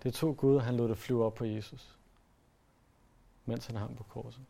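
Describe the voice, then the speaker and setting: A man preaching a sermon in an earnest way, pressing his points hard and then letting his voice fall soft. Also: mid-range voice, fairly even intonation, gravelly. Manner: earnest, rises to emphatic then drops to soft.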